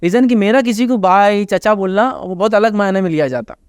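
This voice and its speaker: A man's voice: high-pitched, a little fast, clean tone, no room sound, studio quality. A man with an Indian Hindustani accent, explaining social manners through everyday examples as an Islamic scholar answering a question. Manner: repeats reminders to remember. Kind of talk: conversational religious advice talk.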